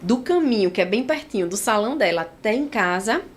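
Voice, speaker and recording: A woman from Brazil telling an emotional personal testimony as an interview guest, acting out what others said in lively voices. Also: mid-range voice, fairly quick, slight background noise. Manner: animated storytelling, acting out other people's lines.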